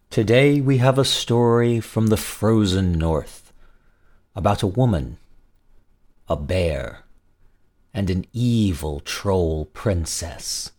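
A man narrating as a storyteller in a gothic, theatrical fairy-tale style, with dramatic, deliberate phrasing. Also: lowish voice, a little mellow. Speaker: storyteller, host.

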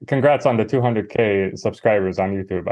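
A man's voice: on the low side, measured pace, darkish tone, no echo. A man hosting a podcast interview, reading the intro and then asking his guest questions in a friendly, upbeat way. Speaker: podcast host.

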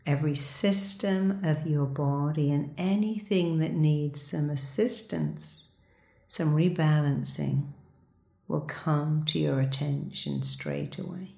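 Slow, low-voiced woman guiding meditation. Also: gravelly, mellow, echoey room. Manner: slow, soothing, repetitive instructions. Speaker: meditation guide. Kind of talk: guided meditation.

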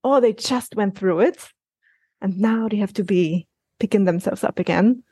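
A woman coaching guest speaking gently and reassuringly in a conversational interview, often restarting her sentences. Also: medium pitch, moderate pace, husky, no room sound.

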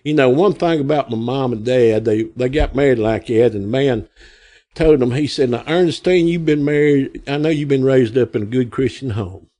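Arkansas guy in his 60s spinning folksy yarns, rambles, mid-pitched voice. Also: moderate pace, warm tone. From Arkansas, USA. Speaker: guest. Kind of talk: casual storytelling.

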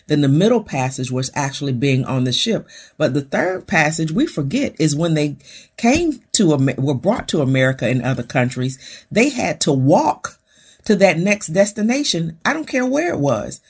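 A woman's voice: sits low, sing-song, normal speed, breathy edge. A woman hosting a podcast, giving a fervent, preacher-like motivational talk in numbered points with lots of repetition. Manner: fervent, preacherly, repeats lists. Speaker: podcast host.

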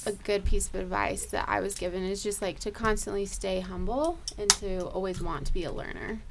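A woman ER nurse telling a work story in a casual, lively way, laughing often and saying "like" a lot. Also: mid-range voice, fairly quick, noisy background. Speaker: ER nurse guest.

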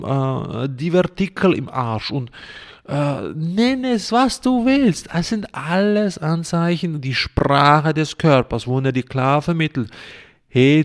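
A man hosting a self-help show, giving a blunt, crude health monologue full of rhetorical questions and sarcasm. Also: a little high. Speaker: self-help podcast host.

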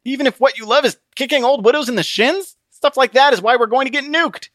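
A man's voice: extremely high pitch, quick pace, fairly bright tone, no echo, clean studio sound, pitched above the performer's own voice. A man voicing a desperate young armored soldier who pleads and protests in a strained, frantic way.

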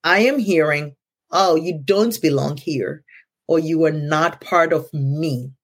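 A woman's voice: low voice, slow, husky. A middle-aged woman with a Ghanaian accent, hosting a casual conversation in an earnest tone and often checking in with "right?". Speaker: podcast host.

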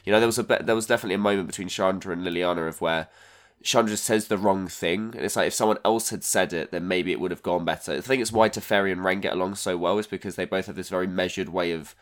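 A man with a fairly low voice talks through a story on a casual podcast. He rambles and restarts his sentences, thinking aloud as he goes, with the odd swear word. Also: fairly even intonation, fast talker. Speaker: podcast co-host. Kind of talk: casual chat.

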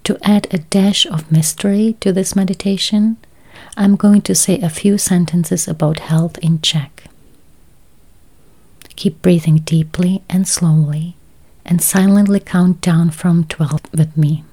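In a lowish voice hushed almost to a whisper, a woman leads listeners through a guided meditation. She sounds breathy and soft, and her phrasing is calm, deliberate and soothing.

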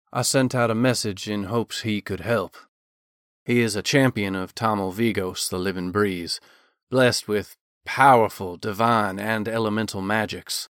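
A man plays a gentle village elder in a fantasy audiobook. The voice is low and hushed, close and dry. He speaks slowly, with fatherly sorrow. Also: dry recording. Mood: calm reverence.

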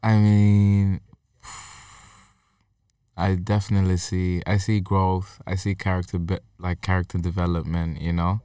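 A young man from Uganda and Sweden, a musician guest talking casually with many fillers and pauses. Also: low voice, clear, resonant tone, dry recording, clean studio sound, distant mic. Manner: relaxed, hesitant, lots of fillers. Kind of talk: casual interview chat.

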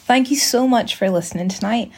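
A woman in her twenties hosting a casual solo podcast, chatty and rambling in an informal, relaxed way. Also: fairly high pitch, a little fast. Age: 20s. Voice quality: relaxed, slightly husky. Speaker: podcast host.

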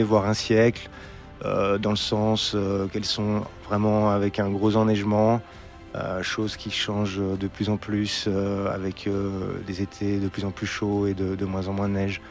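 A man from Belgium in his thirties, a mountain photographer talking in a relaxed podcast interview, hesitant with many fillers and restarts. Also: on the low side, measured pace, faint music behind.

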